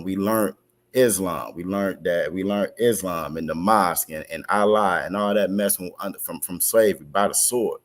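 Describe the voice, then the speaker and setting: A man teaching an online religious class over a video call, halting, with many fillers and restarts. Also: sits low.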